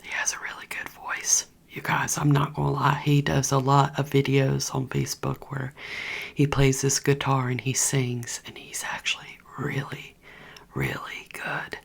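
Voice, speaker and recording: A woman whispers close to the mic in a breathy, gravelly undertone that sits very low. She rambles along slowly and evenly, chatting to her viewers like friends. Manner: rambling, chatty, addresses viewers as "you guys". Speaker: ASMR creator. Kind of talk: whispered ASMR gossip chat. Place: indoors at home, heater running.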